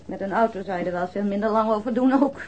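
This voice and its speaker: Woman playing a fast-talking nagging wife. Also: mid-range voice, a little mellow, highs cut off, a little hiss or hum, close to an everyday voice. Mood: nagging, exasperated. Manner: needling, chiding, colloquial. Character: nagging, exasperated wife of a grumpy policeman. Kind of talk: radio drama acting.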